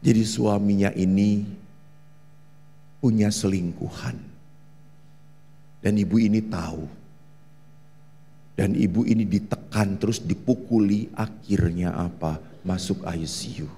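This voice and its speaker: A man's voice: slow, long pauses, slightly rough, in a large hall. A male Catholic priest with an Indonesian accent giving a sermon, questioning the congregation and acting out story voices. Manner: lively preaching, questions to the congregation; acts out story voices with big pitch leaps.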